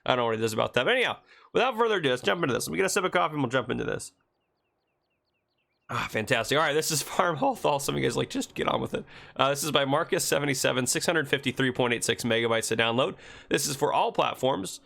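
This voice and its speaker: Congested man with a gravelly voice. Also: mid-range voice, expressive, fast, fairly bright tone. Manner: chatty, rambling, self-correcting. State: congested from a cold. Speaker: game video host. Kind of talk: casual gameplay commentary.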